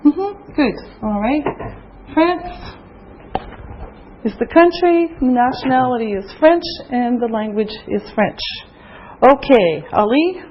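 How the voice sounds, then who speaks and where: A woman teaching an English class, speaking clearly and patiently to the learners. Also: high-pitched, lively intonation, slow pace, lo-fi sound, slight background noise. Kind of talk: slow classroom instruction.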